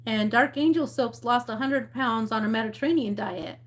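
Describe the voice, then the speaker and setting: This livestream host, a woman from Mexico and the rural Southwest, speaks in a voice on the high side at a moderate pace. She chats informally, thinking out loud, reading off labels and replying to her viewers.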